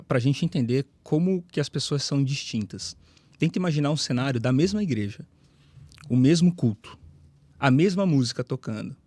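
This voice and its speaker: A man's voice: mid-range voice, a little mellow, no room sound. A man with a Brazilian Portuguese accent, a pastor talking on a podcast, telling stories and acting out the voices in them. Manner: storytelling, acts out quoted voices, rises in emphasis. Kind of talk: podcast conversation, preaching.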